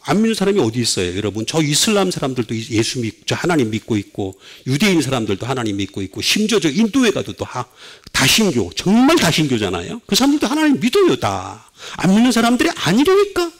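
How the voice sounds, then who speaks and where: A middle-aged male pastor preaching a sermon, with sudden swings between loud and soft. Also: fairly high pitch, wildly swooping pitch, quick pace.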